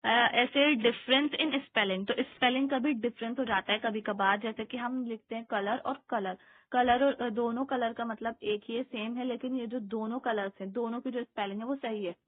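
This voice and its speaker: Woman, Indian accent, tutor explaining notes, slow careful reading, frequent hesitations, tinny phone-like audio. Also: on the high side, fairly even intonation, a little hiss or hum. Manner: reads English lines slowly, explains in Hindi with many hesitations. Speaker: teacher explaining exam notes. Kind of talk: study lesson, reading English text and explaining in Hindi.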